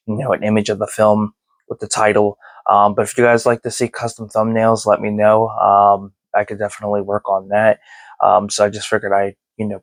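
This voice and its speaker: Man, thirties, casual vlog chat, rambling with fillers, lowish voice, dry close sound. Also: no room sound. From born in Texas, raised in Germany and Florida. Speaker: movie review channel host. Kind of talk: casual talk to camera.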